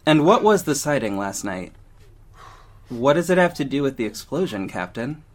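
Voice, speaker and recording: A man acting in an audio drama as a confident, sharp-tongued gay councilman with a pointed, theatrical manner. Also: mid-range voice, big pitch swings, normal speed. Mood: probing. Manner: theatrical, pointed, biting sarcasm.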